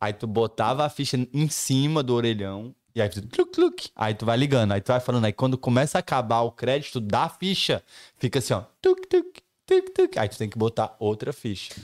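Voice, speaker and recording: In a very clean recording with a silent background and a dry, close sound with no echo, a man speaks at a medium pitch and a moderate pace in a plain, everyday voice with ordinary pitch variation. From Minas Gerais, Brazil; Brazil, living in London. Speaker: podcast host. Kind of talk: casual chat.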